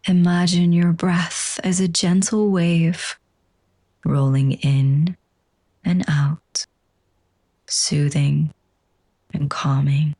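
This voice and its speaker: In a hushed, soothing way, a yoga nidra teacher guides a slow relaxation. Her voice sits low with a level tone, soft, breathy and husky, and she stays gentle throughout.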